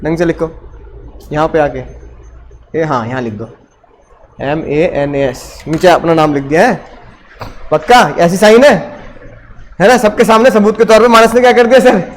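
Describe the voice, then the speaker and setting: A man from India teaching commerce in a classroom lecture, animated and firing rhetorical questions at his students. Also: fairly high pitch, normal speed, pauses often, slight background noise.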